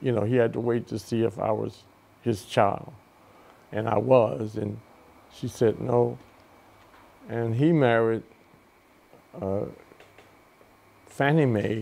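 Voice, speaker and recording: With an American accent, a man speaks fairly slowly at a medium pitch in a dark, mellow tone. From US South. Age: 80s+. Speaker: jazz musician. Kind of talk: lecture. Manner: halting.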